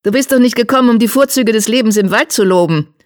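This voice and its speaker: A narrator voicing a small black tomcat who leads a clan, cold and mocking, with a high, sharp voice and a faint hiss underneath. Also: fast talker, close to an everyday voice. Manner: mocking, icy. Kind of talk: audiobook character voice.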